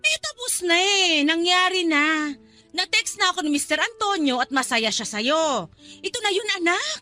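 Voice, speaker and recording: A woman's voice: very high voice, very animated, moderate pace, bright, forceful tone, soft background music, heavily acted. An actress playing a scheming middle-aged mother in a radio drama, coaxing and insistent as she persuades her daughter. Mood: defensive.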